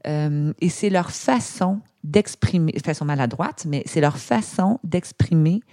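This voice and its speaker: A woman with a Québécois accent and a low voice, chatting freely as an interview guest. She tells her stories with energy and acts out the lines of the people she quotes. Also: unhurried. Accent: Québécois French. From Quebec, Canada. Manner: animated storytelling with imitated quotes. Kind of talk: conversational interview.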